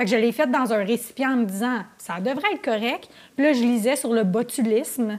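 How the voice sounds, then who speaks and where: A woman's high-pitched voice at a moderate pace with ordinary pitch variation. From Quebec, Chambly. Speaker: comedian. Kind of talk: casual chat. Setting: studio.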